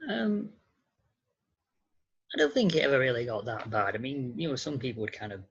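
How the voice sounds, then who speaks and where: A young British man answering interview questions casually, in a hesitant, halting way with repeated starts. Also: mid-range voice, very animated, vocal fry, breathy edge, lo-fi sound. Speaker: interview guest.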